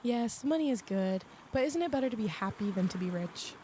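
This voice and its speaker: A woman's voice: a little high, animated, fairly quick, warm tone, close to an everyday voice. A woman playing an insistent, uneasy wife in a student radio play acted live. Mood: gently challenging. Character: anxious, insistent wife on an anniversary getaway. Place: radio studio with live sound effects. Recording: faint background noise, live studio sound effects.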